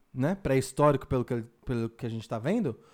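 On a very clean recording with a silent background, a man talks at a fairly quick pace in a plain, everyday voice, with medium pitch and lively intonation. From Santo André, São Paulo state, Brazil. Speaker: podcast co-host. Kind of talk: casual chat.

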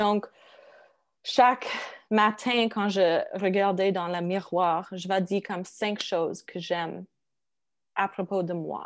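A woman with an English accent speaks at a very slow pace. Her intonation is fairly even, broken by long, frequent pauses. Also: medium pitch for a woman, very clean recording, silent background. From Alberta, Canada (Edmonton). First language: English (speaking French). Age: 20s. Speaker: model and marketer. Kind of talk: casual interview. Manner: halting, mixes English and French.

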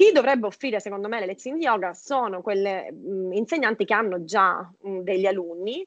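A woman of medium pitch with an ordinary speaking voice, fairly quick pace, ordinary pitch variation and hardly any pauses. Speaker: yoga teacher. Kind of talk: casual chat; yoga instruction. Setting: at home.

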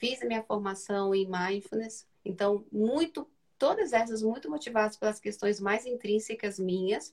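A woman with a normal speaking voice talks at a moderate pace in a fairly high pitch with fairly even intonation. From Rio de Janeiro, Brazil. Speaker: psychologist and HR specialist. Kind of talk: live-stream interview.

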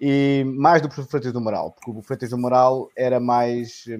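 This speaker has a European Portuguese accent and a fairly even intonation. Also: man. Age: 40s. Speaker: professor and political commentator. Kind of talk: casual chat.

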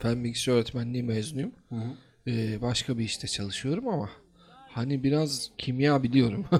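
Noticeable background noise sits behind a man speaking at medium pitch and a moderate pace, with ordinary pitch variation. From Aegean Turkey. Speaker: podcast co-host. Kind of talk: casual chat.

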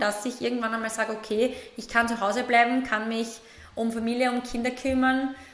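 Fairly high in pitch, a woman talks in a monotone, flat way with a slight Burgenland accent. Noticeable background noise and audible room echo surround her voice. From Burgenland, Austria. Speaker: real estate entrepreneur. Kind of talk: interview.

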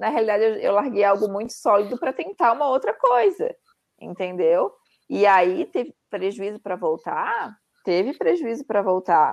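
A woman's fairly high-pitched, lively-toned voice at a moderate pace, an ordinary speaking voice. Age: 40s. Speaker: podcast co-host. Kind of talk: casual chat.

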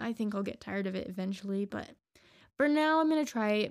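A woman speaks in a fairly high voice. The recording is very clean, with a silent background. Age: young. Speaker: solo podcaster. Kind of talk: casual monologue. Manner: fast; animated.

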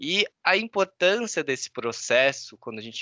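Against a quiet background, the voice has a bright, sharp tone and lively intonation. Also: man, dry, close sound with no echo. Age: 20s. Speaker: education content analyst. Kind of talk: podcast interview.

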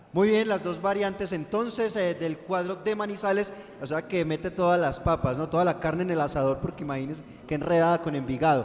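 A man talks at a fairly quick pace in a high pitch. His pitch varies an ordinary amount. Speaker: sports radio host. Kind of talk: radio sports talk.

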